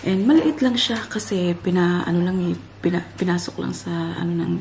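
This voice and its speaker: A woman's voice: lowish voice, moderate pace, darkish tone, slight background noise, poor audio. A woman chatting casually to her viewers in a family vlog, calling them "guys" and laughing often. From Philippines. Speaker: family vlogger. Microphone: handheld vlogging camera or phone.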